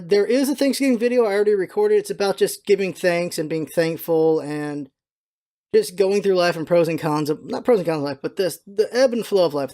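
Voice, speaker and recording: A man with a noticeably high voice talks as the host of his own channel. His delivery is casual and unscripted, meandering from point to point as he thinks aloud in an informal way. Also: darkish tone. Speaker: video creator and streamer, channel host. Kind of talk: casual channel update, rambling chat.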